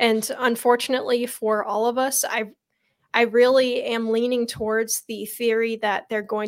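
Here a woman talks at a moderate pace. Her pitch is fairly high and her intonation monotone and flat. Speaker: research fellow, energy and environment. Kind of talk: casual chat. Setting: video call.

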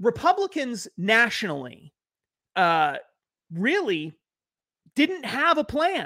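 In a raised, projected voice, a man speaks very slowly at an extremely high pitch, his bright, sharp tone swinging very widely in pitch between long, frequent pauses. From New England. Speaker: author and editorial director. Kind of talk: political panel discussion.

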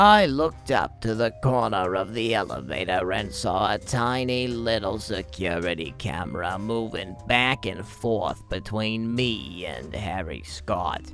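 Over clear background music, a man speaks at a fairly slow pace with a fairly low pitch. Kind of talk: noir detective narration. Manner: wisecracking, flippant.

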